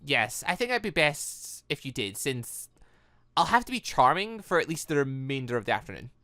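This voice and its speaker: A woman voicing a polite, earnest young man from a dating game, speaking in a measured, formal, understated way. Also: sits low, very animated, sharp tone, no echo, clean studio sound, voice pushed down, heavily acted. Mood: earnest, wry.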